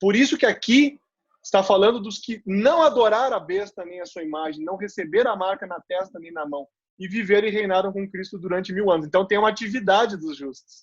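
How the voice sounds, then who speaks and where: A man's high voice moves at a fairly quick pace with lively intonation. His loudness swings widely. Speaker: Bible teacher. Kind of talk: Bible study lecture. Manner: fast.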